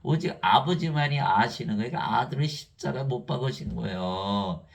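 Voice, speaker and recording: A man preaching a sermon in an emphatic, lively way, reading scripture aloud and laughing between points. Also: medium pitch, brisk, vocal fry.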